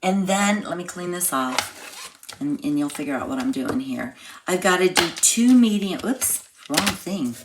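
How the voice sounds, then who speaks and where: A woman with a slightly hoarse, froggy voice, chatting step by step through a live card-making class. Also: on the low side, lively intonation, measured pace, background noise. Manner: chatty step-by-step explaining while crafting. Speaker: craft class instructor. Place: home craft room.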